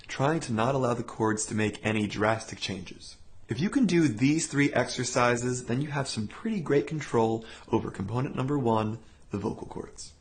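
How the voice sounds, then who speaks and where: A man teaching a voice lesson, calmly explaining vocal exercises step by step. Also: mid-range voice. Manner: calm, clear step-by-step explaining with sung demonstration sounds. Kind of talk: instructional voice lesson.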